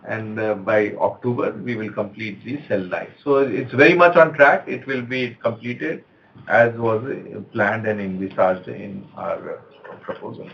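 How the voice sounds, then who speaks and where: An Indian-accented man, a company executive answering analysts on an earnings call in a measured, halting way. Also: on the low side, vocal fry, a little hiss or hum. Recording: dull, lo-fi conference call.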